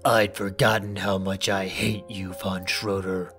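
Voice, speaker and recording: A man's voice: low-pitched, flat delivery, a little slow, a bit bright, faint music behind. An actor playing a cold, proud man in an audio drama, clipped and threatening with contained fury. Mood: icy, curt.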